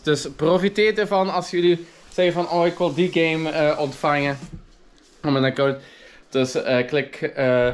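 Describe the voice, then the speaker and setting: A man in his thirties with a Flemish accent, chatting casually to his vlog camera in halting phrases. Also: a little high, slight background noise. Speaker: vlogger. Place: indoors at home, rooms and bathroom. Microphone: camera at arm's length or a few steps.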